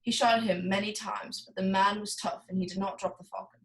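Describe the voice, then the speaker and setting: A woman's voice: mid-range voice, fairly even intonation, a little fast, close to an everyday voice, poor audio. Woman playing a pompous, courtly crime boss. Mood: measured, explanatory. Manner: pompous, formal, theatrical. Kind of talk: film noir radio play acting.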